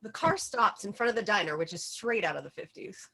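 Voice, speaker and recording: A woman's voice: mid-range voice, lively intonation, a little fast, fairly bright tone, breathy edge. A woman narrating stage directions in an informal script table read.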